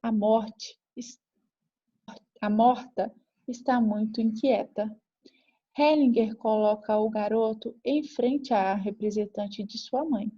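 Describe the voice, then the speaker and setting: Woman reader, slow and mellow, calm narration, dull lo-fi sound. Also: a little high, breathy edge. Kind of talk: slow scripted reading of a therapy session.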